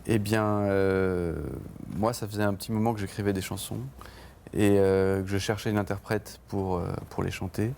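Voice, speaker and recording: A low-voiced man with a gravelly edge tells his story slowly in a TV interview, hedging with many fillers and restarts. A faint hiss of background noise sits under the voice. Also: level tone, darkish tone. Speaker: band songwriter, interview guest. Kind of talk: casual interview talk. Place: TV studio.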